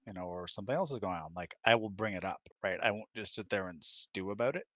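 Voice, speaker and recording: Man, middle-aged, lowish pitch, casual, informal, acts out imagined quotes, relationship chat, dry recording. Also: fast talker, fairly bright tone, no echo. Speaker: guest on spouse's hangout.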